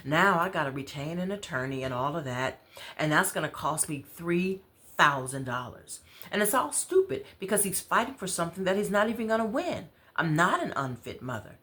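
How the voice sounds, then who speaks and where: An American woman voicing a troubled, proud mother in a story, confiding in a halting, conversational way. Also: fairly low pitch, very animated, a bit bright. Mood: frustrated.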